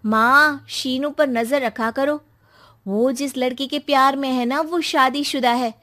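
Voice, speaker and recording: A woman's voice: high voice, steady tone, unhurried, sharp tone. A woman voicing a scheming young daughter in a cartoon who wheedles and manipulates her mother. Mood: indignant. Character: scheming young woman plotting to seize family home.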